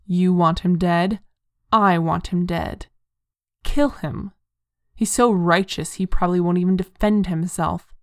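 A woman's voice: on the low side, dry recording, clean studio sound. A woman voicing a sneering, vengeful male demon in an audio story, scornful and commanding.

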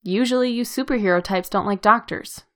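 A woman voicing a dry, unflappable nurse with a deadpan delivery, in a fan fiction reading. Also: mid-range voice, brisk, close to an everyday voice. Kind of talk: fan fiction read aloud.

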